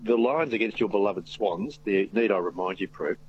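A man's voice: on the low side, moderate pace, lo-fi sound, slight background noise. A man with an Australian accent hosting a radio show, chatting playfully and poking fun at himself. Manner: playful, self-deprecating, talks in bursts. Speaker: radio host. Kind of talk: casual radio chat. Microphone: studio microphone.

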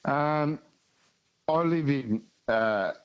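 A man with a broad Tasmanian Australian accent, calling in to a radio show and talking in a slow, halting way with many fillers. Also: medium pitch, smooth. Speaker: caller. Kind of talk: casual call-in chat. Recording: dull lo-fi phone line.

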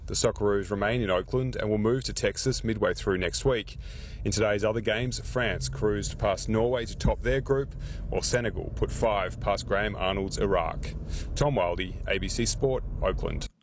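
A man's voice: lowish voice, a little hiss or hum. Man filing a sports report. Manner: brisk and factual.

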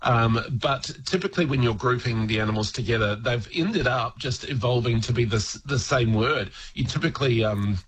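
A man's voice: mid-range voice, moderate pace, hardly any pauses, fairly bright tone, breathy edge, poor audio. Chatty man, laughing often. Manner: chatty, laughs often, many ums and restarts. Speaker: regular language guest on radio. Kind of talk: casual radio chat.

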